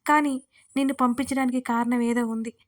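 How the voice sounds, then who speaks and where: A woman's voice: on the high side, steady tone, a little fast, lightly acted. A woman voicing a clingy, reproachful young wife in a narrated audio story. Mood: thoughtful. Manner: sulky and reproachful. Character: sulky, clingy young wife, sharp-tongued.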